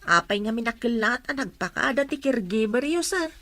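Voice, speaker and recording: A woman playing a humble, hard-up mother and household helper in a radio drama, gentle and deferential. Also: fairly high pitch, lively intonation, brisk, dry recording. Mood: deferential, eager.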